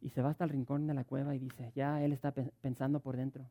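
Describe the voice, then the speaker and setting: A man's voice: mid-range voice, flat delivery, fast talker, warm tone. A middle-aged man preaching a sermon, telling stories with many stuttered restarts. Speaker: pastor.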